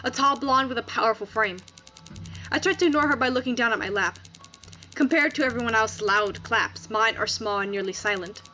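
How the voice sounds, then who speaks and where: A woman's voice: fairly high pitch, a little fast, sharp tone, soft background music, rough recording. A woman reading a visual novel game aloud as narrator and host, dropping in casual asides.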